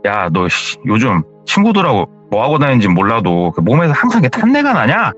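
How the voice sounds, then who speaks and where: Man doing a bossy big brother, rough and scolding, pitch jumps when he yells. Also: huge pitch swings, brisk. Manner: gruff scolding, rough swearing. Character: stern older teenage brother, scolding. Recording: slightly muffled with faint music.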